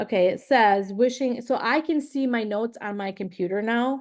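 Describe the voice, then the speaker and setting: A woman with a Wisconsin accent, ordinary pitch variation, and a quiet background. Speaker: travel agent. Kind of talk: tutorial. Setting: video call. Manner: casual.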